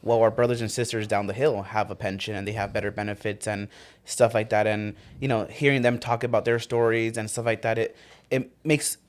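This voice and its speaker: Laid-back union guest. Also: male voice, on the low side, fairly even intonation, fairly quick. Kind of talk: casual chat.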